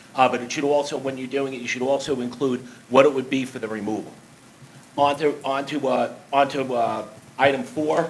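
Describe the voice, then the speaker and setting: Over noticeable background noise, a man with a Northeastern US accent talks fairly quickly at a medium pitch with fairly even intonation. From US Northeast. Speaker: resident giving public comment. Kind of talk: public comment at town meeting. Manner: halting, many fillers and repeats.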